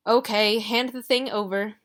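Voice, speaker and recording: A woman's voice: fairly high pitch, steady tone, moderate pace, a bit bright, close to an everyday voice. A woman doing a sardonic young man. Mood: wry. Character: teasing young man, wry and relaxed.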